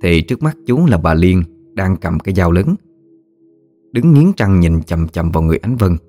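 A man narrating a scripted ghost story in a steady storytelling manner. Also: low-pitched, moderate pace, faint music behind.

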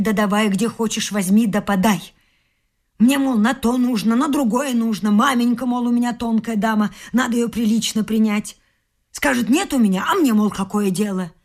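A woman's voice: fairly high pitch, a little mellow, close to an everyday voice. An actress in a radio play voicing a domineering, grasping middle-aged mother-in-law who scolds emphatically and haughtily. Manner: scolding, emphatic nagging with whispered scorn. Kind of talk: theatrical radio drama acting.

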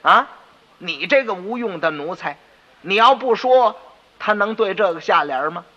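A man's voice: high voice, animated, measured pace, pushed and bright, big-room sound, exaggerated voice. A man with a Beijing accent playing a pompous, irritable old prime minister who scolds his servant. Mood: angry. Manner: scolding, haughty and raised. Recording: dull lo-fi radio recording.

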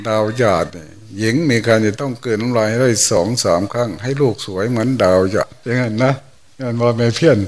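An older man with a lilt, a monk giving a folksy, unhurried Dhamma talk. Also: mid-range voice. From Thailand. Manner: folksy, unhurried storytelling with exclamations. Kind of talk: sermon.

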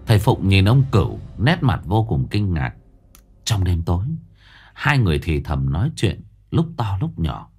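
A man tells a ghost story with a deep, husky voice. His pitch rises and falls a great deal as he builds the scene. Soft music plays faintly behind him. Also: sing-song, normal speed. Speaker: narrator.

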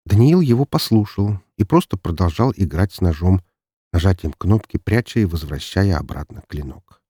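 A man narrating an audiobook in an expressive storytelling manner, recorded close to the mic. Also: sits low, normal speed, breathy edge, no room sound. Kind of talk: scripted narration.

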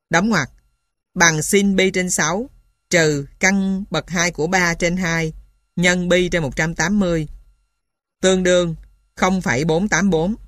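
A woman's voice: fairly low pitch, a bit bright, dry recording. Woman dictating a textbook, very dry recording. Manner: dictating, spelling out formulas and punctuation symbol by symbol. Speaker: reader of a mathematics textbook. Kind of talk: scripted textbook narration.

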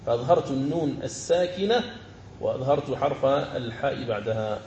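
A man teaching the rules of Quran recitation, explaining each rule and then slowly chanting verse examples. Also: mid-range voice, animated, creaky, a little mellow, roomy sound, lo-fi sound, a little hiss or hum. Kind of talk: tajweed lesson with chanted examples.

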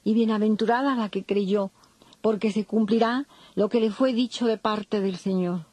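A woman's voice: mid-range voice, steady tone, normal speed, dark tone, no echo, natural voice. An actress playing a devout, grateful older expectant woman in reverent, declamatory dramatized scripture. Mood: awed, joyful. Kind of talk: dramatized scripture audio acting.

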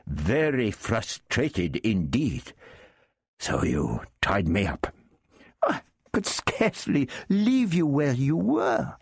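A man voicing a wily, overly polite male thief who fawns and keeps flattering his captive. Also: on the low side, husky, no echo, clean studio sound, voice pushed up, heavily acted. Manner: fawning, keeps saying my lord.

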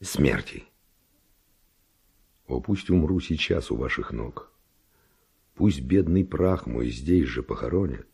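Very deep, gravelly seducer nobleman. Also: lively intonation, takes it slowly, long pauses, a little mellow, exaggerated voice. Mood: passionate pleading. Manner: theatrical, impassioned verse declamation. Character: ardent, reckless male nobleman seducer, pleading and daring. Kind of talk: classic Russian radio play verse acting.

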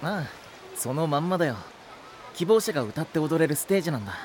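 A man's voice: on the high side, animated, quick pace, a little mellow, slight background noise, lightly acted. A man playing an easygoing young older-brother figure who works as a lifeguard in an anime audio drama.

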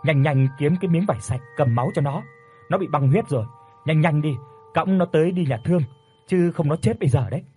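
A man's voice: a little high, expressive, normal speed, a little mellow, breathy edge, soft background music. A man voicing a frantic middle-aged village woman who delivers a baby, urgent and pleading.

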